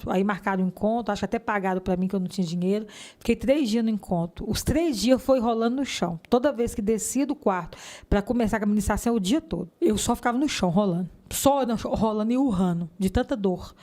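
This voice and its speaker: A woman's voice: mid-range voice, quick pace, mellow. A woman giving a fervent religious testimony in an interview, sometimes acting out the voices of people in her story.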